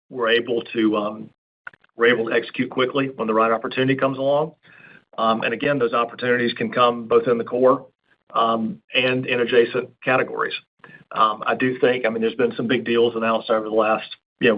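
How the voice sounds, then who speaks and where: Man on a tinny conference-call line. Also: medium pitch. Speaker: company executive answering analysts. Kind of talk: earnings call Q&A, unscripted. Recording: narrow tinny phone-line sound.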